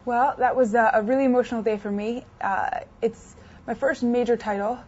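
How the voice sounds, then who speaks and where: A woman's voice: on the high side, steady tone, normal speed, a little mellow, husky. A young woman in her twenties, raised in the United States and France, answering interview questions in a chatty way with many fillers and restarts. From United States, partly raised in France. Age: 20s. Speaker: interview guest, poker player. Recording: dull lo-fi sound.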